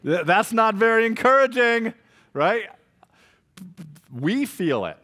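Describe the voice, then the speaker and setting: A man in his forties preaching a sermon as pastor, telling stories with lively gestures and acting out his own reactions. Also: high-pitched, slow pace. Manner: animated storytelling, gestures widely, acts out his own reactions. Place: church stage with purple backlit wall.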